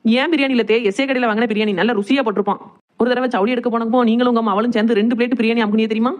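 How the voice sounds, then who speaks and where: Woman as a young cartoon daughter-in-law, very fast talker, highish voice, Tirunelveli Tamil accent, teasing, cajoling. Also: fairly even intonation, background noise, close to an everyday voice. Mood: chatty, coaxing. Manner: rapid, chatty, cajoling dialect speech. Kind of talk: cartoon family comedy dialogue.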